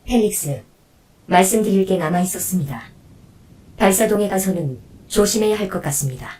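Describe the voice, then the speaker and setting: A woman playing a dutiful android helper in an audio drama, speaking formally, in a measured and unemotional way. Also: mid-range voice, lively intonation, mellow, natural voice. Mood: calm, formal. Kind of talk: Korean audio drama acting.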